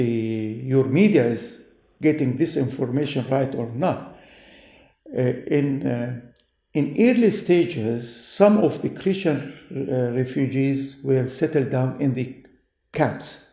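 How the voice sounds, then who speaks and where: Male interviewee, Middle Eastern accent, non-native English, creaky voice, halting delivery, roomy sound. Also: mid-range voice, dark tone. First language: not English. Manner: halting, deliberate phrasing. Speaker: pastor and doctor being interviewed. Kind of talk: interview answers, personal testimony. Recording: echoey room.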